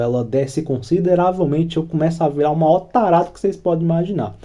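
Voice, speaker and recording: A man's voice: on the high side, warm tone. A Brazilian man telling a crude, rambling personal story in casual slang as the host of his channel. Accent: Brazilian Portuguese.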